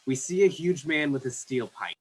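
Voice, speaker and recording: Man, scripted narration, stage directions, husky voice, medium pitch. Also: expressive, normal speed.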